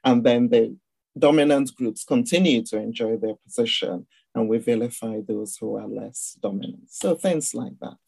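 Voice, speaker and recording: A woman with a Nigerian accent, a guest speaker explaining ideas in a measured way on a video call. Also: extremely low pitch, creaky, warm tone, slightly rough, no echo, low-quality recording. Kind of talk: online discussion session.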